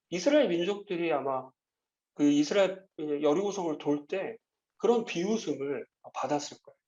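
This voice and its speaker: A man's voice: sits high, highs cut off. Man teaching a children's Bible lesson. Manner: gentle, asks the children questions, frequent "uh" fillers. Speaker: Sunday school teacher.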